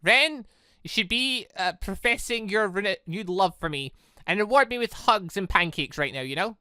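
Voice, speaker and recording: Man reading as demanding, lively teenage girl, bright tone. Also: high voice, moderate pace, clean tone, no echo, studio quality. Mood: pouting, demanding. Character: demanding, affection-hungry energetic teenage girl. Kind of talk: visual novel dialogue read aloud.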